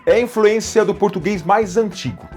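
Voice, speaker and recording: A man from Brazil presenting an educational explainer in a relaxed, conversational way, with frequent small hesitations. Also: sits high, moderate pace, soft background music.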